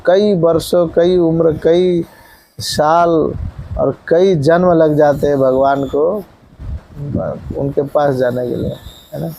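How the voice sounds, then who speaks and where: A man teaching a scripture class, reciting verses slowly and then explaining their pronunciation in a conversational way, often checking in with his listeners. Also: fairly high pitch, dark tone, rough recording.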